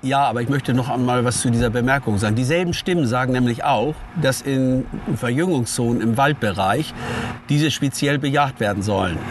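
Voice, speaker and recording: Against noticeable background noise, a man talks at medium pitch and a fairly quick pace with ordinary pitch variation. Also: very even loudness. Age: 70s. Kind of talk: interview. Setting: outdoors on a terrace.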